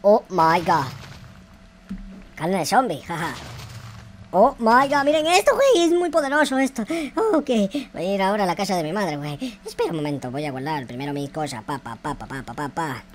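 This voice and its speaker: Casting: male performer as naive, panicky Latin American boy gamer, high whiny voice, wildly swinging delivery, music behind. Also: sing-song, normal speed, slight background noise. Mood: relieved, excited. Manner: exclamatory, dramatic, whiny. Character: excitable, easily panicked naive boy game character. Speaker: gaming YouTuber. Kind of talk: excitable gameplay roleplay commentary.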